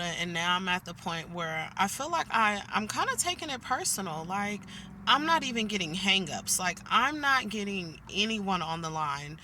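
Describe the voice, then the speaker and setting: Brief: forties woman vlogging from her car, ringing bright tone, chatty and fed-up. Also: fairly low pitch, slight background noise. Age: 40s. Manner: chatty venting, keeps addressing viewers as "guys". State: annoyed. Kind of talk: casual vlog chat. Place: inside a parked car.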